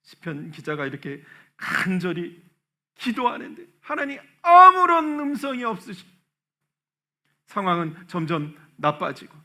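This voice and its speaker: A man pastor preaching a Sunday sermon in a church, swinging between hushed and loud, impassioned delivery. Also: sits high, sing-song, unhurried. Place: church sanctuary.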